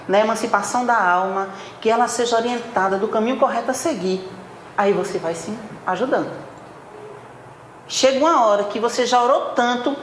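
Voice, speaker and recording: A woman giving a spiritual talk at a spiritist center, chatty and animated as she acts out everyday scenes. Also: mid-range voice. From Northeast Brazil. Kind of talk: spiritual talk to a live audience. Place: meeting hall of a spiritist center. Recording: roomy hall, faint background noise.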